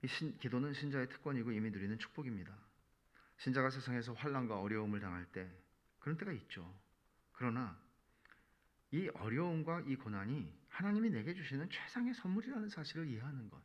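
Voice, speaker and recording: A man's voice: mid-range voice, very animated, fairly quick. A male pastor preaching a sermon in a conversational way, with playful asides.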